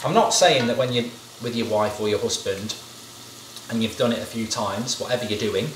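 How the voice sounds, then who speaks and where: A man's voice: fairly low pitch, normal speed, a little hiss or hum. A man in his thirties talks through a recipe in his home kitchen, wandering into jokey tangents as he stirs the pot. He sounds a little distant from the microphone, and the room has a noticeable echo. Faint cooking sounds sit underneath his voice. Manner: jokey, rambling asides while cooking. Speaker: cooking show host. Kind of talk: casual cooking chat. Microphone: camera mic at a distance. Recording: echoey kitchen, mic set back.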